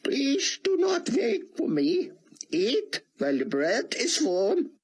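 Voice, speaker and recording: A man voicing a warm, gentle rabbi with a thick Hebrew accent, speaking slowly and courteously. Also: very high-pitched, huge pitch swings, slightly rough, voice pushed up, full character voice.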